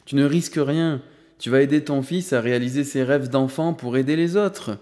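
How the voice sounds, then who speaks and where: Homme jouant un vieux patriarche riche, exalté et généreux. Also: male voice, medium pitch, moderate pace, dark tone, close to an everyday voice. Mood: firm. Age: older. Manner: enthusiastic, emphatic, playful. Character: exuberant elderly rich grandfather, suddenly generous. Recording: long hall reverb.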